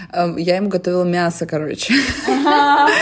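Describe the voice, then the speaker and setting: Heard through noticeable background noise, a woman talks in a fairly low pitch. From Russia, Kaliningrad. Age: 30s. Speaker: podcast co-host, feminist organization co-founder. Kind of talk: casual chat. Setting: in person, together in Antwerp.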